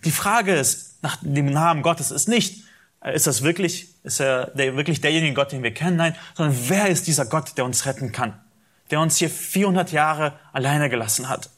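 A man's voice: on the high side, normal speed, fairly bright tone. A man preaching a sermon, teaching from the Bible, speaking directly to his listeners and acting out quoted dialogue with animation.

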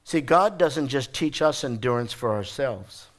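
A man from the United States preaching a sermon in short phrases for an interpreter, acting out scenes with sudden high cries. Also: measured pace. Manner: animated, acts out screaming scenes. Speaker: visiting preacher.

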